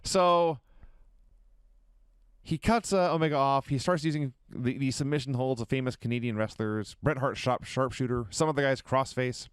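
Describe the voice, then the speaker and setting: A man co-hosting a podcast, telling a wrestling match blow by blow in a lively, swearing, storytelling way. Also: mid-range voice, moderate pace, clean tone, no room sound. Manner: animated storyteller, swearing, chuckling. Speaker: podcast co-host. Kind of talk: casual wrestling recap chat.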